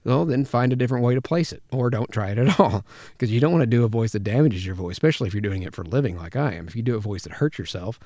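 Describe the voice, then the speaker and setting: A man's voice: mid-range voice, expressive, rapid-fire, a little mellow, no echo. A man giving an informal tutorial as a voice actor, talking casually and conversationally into a close microphone. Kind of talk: informal instructional talk with vocal demonstrations. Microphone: close studio microphone, spoken slightly to the side.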